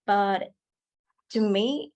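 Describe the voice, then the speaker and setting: A woman speaks at a slow pace on a video call, offering personal testimony. She is halting and often searches for the next word, at a middling pitch. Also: a little mellow, dull audio. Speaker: audience participant in an online discussion.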